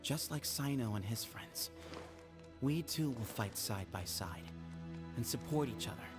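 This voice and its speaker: A man voicing a composed, earnest young leader of a desert temple in a video game, speaking in a measured, formal way. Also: mid-range voice, animated, over loud music, close to an everyday voice. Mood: hushed, reflective. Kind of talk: scripted video game acting.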